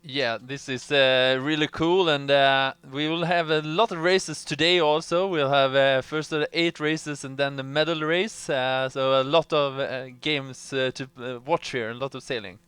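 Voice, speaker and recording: A man co-commentates live, and he talks hesitantly, pausing often with fillers and restarts. His voice is very smooth and clear, and it is recorded dry and close to the mic. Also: mid-range voice, steady tone, a bit bright, no room sound. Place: gaming center event studio.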